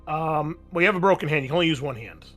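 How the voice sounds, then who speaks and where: A man's voice: fairly high pitch, animated, very fast, fairly bright tone. Man refereeing a tabletop game over music. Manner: explanatory, conversational. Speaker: game master.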